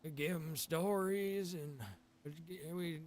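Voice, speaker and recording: A man's voice: on the high side, steady tone, takes it slowly. Chatty male game streamer over noisy ambience. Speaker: game livestreamer. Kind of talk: casual livestream chat while gaming.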